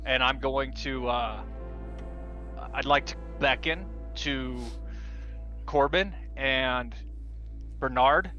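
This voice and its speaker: Male tabletop player, casual, bright forceful tone, slightly muffled recording with music underneath. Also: mid-range voice, slow pace, pauses often. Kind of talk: casual tabletop role-play chat. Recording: slightly dull audio with music behind.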